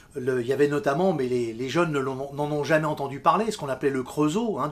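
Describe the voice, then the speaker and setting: Fairly quick speech in an unremarkable speaking voice. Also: man. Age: 60s. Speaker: business coach YouTuber. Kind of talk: vlog monologue.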